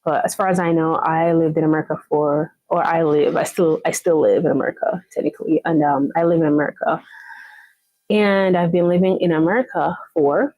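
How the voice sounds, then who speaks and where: Woman, live chat host, motivational and chatty, low-set voice, dry close sound. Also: fairly even intonation, brisk, no room sound, phone-quality sound. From Jamaica. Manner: encouraging, repeats herself, often checks in with okay.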